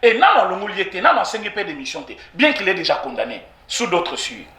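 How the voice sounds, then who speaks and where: A Congolese man speaks with a Congolese French accent, his voice set high and swinging widely in pitch. He argues hard and slips between French and Lingala, hammering points by repeating them. The recording sounds echoey. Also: brisk. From Congo (DRC). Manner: animated, mixes French with Lingala, repeats for emphasis. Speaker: political commentator. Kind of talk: heated political street interview.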